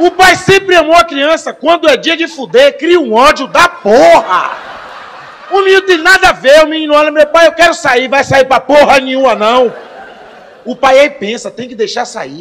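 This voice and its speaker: An extremely high-pitched man at a moderate pace with lively intonation. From Bahia, Brazil. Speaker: stand-up comedian. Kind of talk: stand-up comedy, crude jokes. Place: stage. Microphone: handheld.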